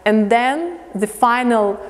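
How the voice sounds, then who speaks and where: A woman from Latvia gives a prepared lecture as an artist in English, halting as she looks for words. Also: fairly high pitch, expressive. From Riga, Latvia. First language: not English. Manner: halting, pausing to find words. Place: indoor museum lecture space. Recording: long reverberant hall.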